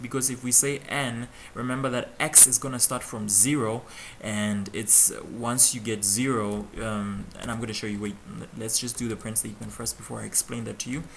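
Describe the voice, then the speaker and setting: A man with a non-native accent at medium pitch, moderate pace and fairly even intonation. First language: not English. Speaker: coding tutor, channel host. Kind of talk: tutorial. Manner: casual, hesitant with fillers.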